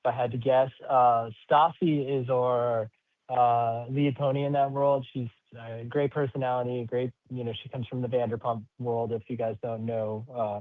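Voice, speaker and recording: A man speaking as a company executive answering questions on an earnings call, halting, rambling and upbeat. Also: mid-range voice, no echo. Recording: slightly muffled, dry call audio.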